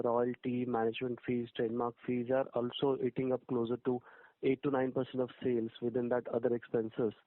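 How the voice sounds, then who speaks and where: A man's voice: medium pitch, no room sound. A man calling in over the phone to ask formal questions on a conference call, polite and hesitant with many fillers. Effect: heard over a phone line. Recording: tinny phone line, dry.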